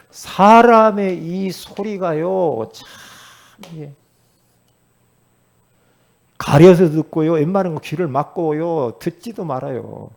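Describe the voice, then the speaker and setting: A man preaching a sermon as pastor, talking in a conversational way with sudden loud emphatic rises. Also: on the high side, vocal fry.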